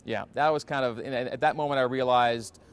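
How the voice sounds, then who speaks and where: A man in his forties, a radio announcer, answering interview questions in a relaxed, reflective way with many fillers, in an empty indoor arena. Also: medium pitch, brisk, heavy background noise. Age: 40s.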